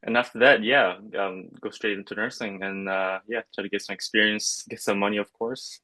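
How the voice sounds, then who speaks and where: A man's voice: lowish voice, steady tone, fairly quick, bright, forceful tone. A young man, a nursing student, answering hesitantly with many fillers on a video call from a bedroom. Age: young adult. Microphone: video call webcam.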